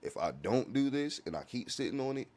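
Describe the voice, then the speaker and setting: A man's voice: mid-range voice, very animated, a little fast, a little mellow. A man talking as a musician guest in a casual podcast conversation, laid-back and heavy on slang, often checking in with "you feel me".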